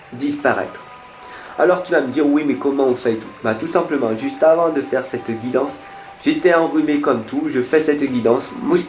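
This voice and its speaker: Speaking directly to the listener with earnest encouragement, a male card reader offers his weekly tarot guidance. He has a mid-range, slightly mellow voice, recorded in an echoey room with faint music.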